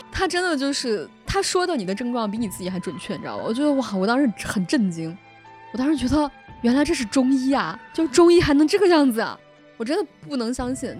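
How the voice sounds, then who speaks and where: Brief: young woman from Shaanxi, quick animated storyteller, light music under the talk. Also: mid-range voice. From Shaanxi, China. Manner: animated, laughs often, frequent tag questions. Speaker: podcast host. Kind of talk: casual storytelling chat.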